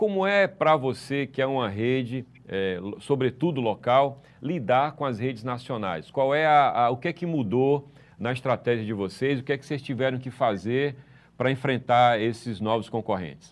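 A normal speaking voice, moderately paced, its pitch varying in an ordinary way. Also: man, medium pitch for a man. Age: 40s. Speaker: TV interviewer. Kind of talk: interview. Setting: TV studio.

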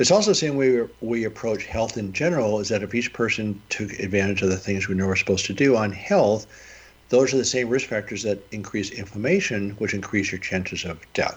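At a fairly quick pace with ordinary pitch variation, this is a normal speaking voice. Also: man, fairly low pitch for a man. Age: 60s. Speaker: orthopedic surgeon and author. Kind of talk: interview.

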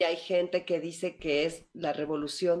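In a Mexican accent, a woman with a fairly low voice speaks at a moderate pace. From Mexico City. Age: 60s. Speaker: journalist and writer. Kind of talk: interview.

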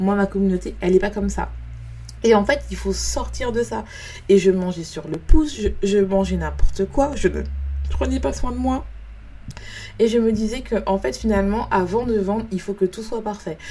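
A woman speaks at a moderate pace, leaving long, frequent pauses. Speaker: podcast host and life coach. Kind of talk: solo podcast monologue.

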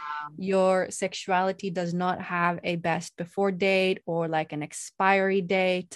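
A woman with a Swedish accent talks fairly slowly at a medium pitch, her intonation fairly even. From Sweden. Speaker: sex and birth coach. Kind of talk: interview.

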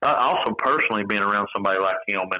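In an Appalachian accent, a man speaks at a very fast pace. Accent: Southern US (Appalachian). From East Tennessee. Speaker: college football head coach. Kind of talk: interview.

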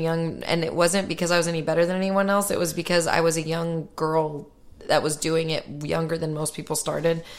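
Talking at a fairly quick pace, a woman uses a fairly low pitch. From Southern California, Rancho Cucamonga. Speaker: country singer-songwriter. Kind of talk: casual interview. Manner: casual, laughs often.

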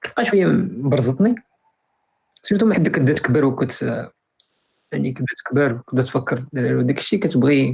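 A man's medium-pitched voice with vocal fry, at a moderate pace. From Morocco, El Jadida. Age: 20s. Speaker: AI engineer. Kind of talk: interview.

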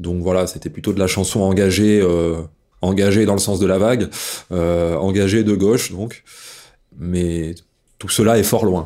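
Speaking fairly slowly with long, frequent pauses, a man uses a very deep, low pitch, a dark, mellow tone and fairly even intonation. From France, Dauphiné countryside. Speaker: singer-songwriter. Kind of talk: interview.

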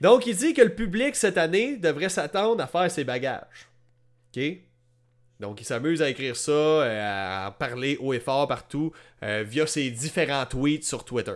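Fairly slow but animated, a man with a Quebec accent and fairly high pitch makes very wide pitch swings on a very clean recording with a silent background. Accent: Québécois French. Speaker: gaming podcast host. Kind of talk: casual chat.

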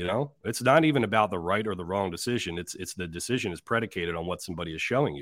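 On a very clean recording with a silent background, a man with a very deep, low pitch talks at a very fast pace, with hardly any pauses and lively intonation. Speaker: football analyst. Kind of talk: casual chat.

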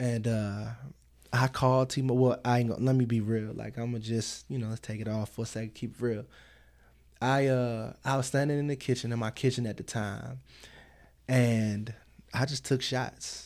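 This man talks in a flat monotone. The recording is very clean with a silent background. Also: medium pitch for a man, moderate pace. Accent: American. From Southeast Washington, D.C. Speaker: gospel music industry professional. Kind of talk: casual interview.

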